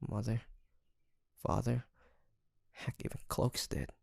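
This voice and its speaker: A man playing a weary, guarded but tender demon hunter in an intimate audio drama, speaking softly and haltingly. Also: mid-range voice, expressive, gravelly, breathy edge, dry recording, full character voice. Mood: sad, confiding. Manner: hesitant, halting, sighing, soft-spoken.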